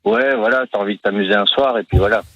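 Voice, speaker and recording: A young man in his twenties from France calls in to a radio show. His slightly low voice comes through a muffled phone line, dry and close, and he talks in an easygoing, hesitant way full of fillers. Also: huge pitch swings, fast talker, creaky, pushed and bright, no room sound. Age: 20s. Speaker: caller. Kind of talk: casual phone-in chat.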